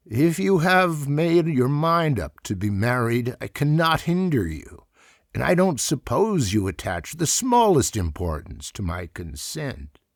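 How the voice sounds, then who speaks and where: A man uses a put-on character voice at medium pitch, speaking at a fairly slow pace with very wide pitch swings. The recording is very clean, with a silent background. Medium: read story. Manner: very slow, emphatic, sinister.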